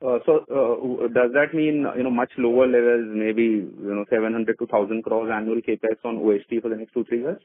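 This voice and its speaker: A man's voice: mid-range voice, fairly even intonation, fairly quick, few pauses, dry recording. A man speaking as an analyst on an earnings call, politely and tentatively probing for details over the phone. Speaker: analyst asking questions. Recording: dry narrow-band phone line.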